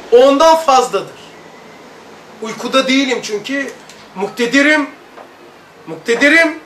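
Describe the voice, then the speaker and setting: A man leading a religious study circle, earnestly recounting a personal experience and reading aloud, acting out sounds with emphatic, drawn-out words. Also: very high voice, fairly bright tone. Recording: echoey room, distant mic, light noise.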